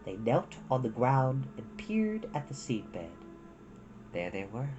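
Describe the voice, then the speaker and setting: A woman reading a children's story aloud as a host, with dramatic, unhurried delivery. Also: extremely low pitch, big pitch swings, dull audio, music in the background. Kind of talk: expressive children's storybook narration.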